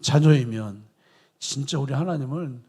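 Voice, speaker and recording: A man's voice: mid-range voice, normal speed, mellow, breathy edge. A man pastor preaching a sermon in church, earnest and repeating quoted scripture for emphasis.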